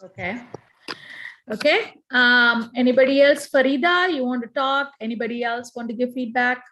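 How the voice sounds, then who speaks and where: A woman runs a feedback round over a video call. She keeps things moving with brisk prompts. Her voice sits a little high. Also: sharp tone, a little hiss or hum, low-quality recording. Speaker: event host.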